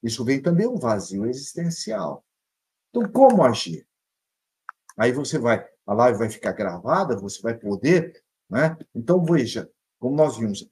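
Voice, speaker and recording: A middle-aged Brazilian man gives a motivational talk as a psychologist. His voice is husky and mellow, pitched a little high for a man, and it swings widely as he acts out the fretful voices of the people he describes. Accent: Brazilian Portuguese. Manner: animated, leaps between high and low pitch, acts out quoted thoughts.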